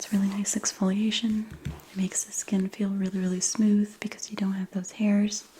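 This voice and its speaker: Soft-spoken and at a moderate pace, a woman uses a medium pitch with monotone, flat intonation amid noticeable background noise. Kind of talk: ASMR skin care talk to camera.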